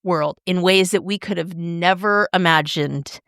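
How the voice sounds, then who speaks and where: A woman in her fifties, co-hosting a podcast, telling stories in an animated way and acting out quotes. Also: on the low side, unhurried, clean tone, dry recording, clean studio sound. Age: 50s. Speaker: podcast co-host. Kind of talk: casual chat, storytelling.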